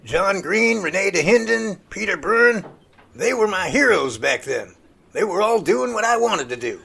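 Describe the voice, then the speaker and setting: An actor playing an enthusiastic, bookish professor in an audio drama, eager and folksy. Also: male voice, high-pitched, big pitch swings, unhurried, creaky, pushed and bright, slightly rough, exaggerated voice. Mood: eager, nostalgic.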